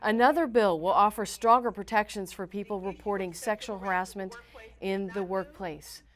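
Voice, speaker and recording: A woman's voice: medium pitch, fairly even intonation, moderate pace. A woman with an American accent reading scripted news in a formal, emphatic newsreader delivery. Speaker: news reporter and anchor.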